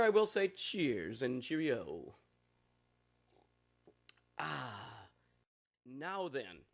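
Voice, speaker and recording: Folksy man joking through a gear demo. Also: on the high side. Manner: folksy, playful, drawling asides. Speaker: guitar amp demo host. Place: room with amps, speaking from the floor. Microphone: instrument mics on amps, voice faint.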